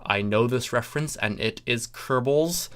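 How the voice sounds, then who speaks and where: A narrator reading comic fan fiction aloud in a deliberate, theatrical way, with wry asides. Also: medium pitch, noisy background. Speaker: narrator, story reader.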